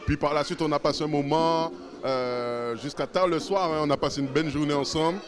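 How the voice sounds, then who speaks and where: A man with a slightly raised pitch recounts church days with fervour. He repeats himself for emphasis and pauses on fillers. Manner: fervent, repetitive. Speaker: church member interviewed. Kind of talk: spontaneous testimony.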